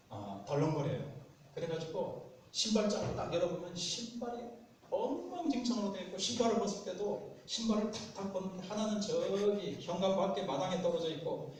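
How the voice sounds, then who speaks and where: A man's voice: high-pitched, a little mellow, slight background noise. A man preaching a sermon as a pastor, telling folksy stories and acting out what spouses say to each other. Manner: folksy storytelling, acts out spouses' voices. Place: church sanctuary. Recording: echoey church sanctuary, distant mic.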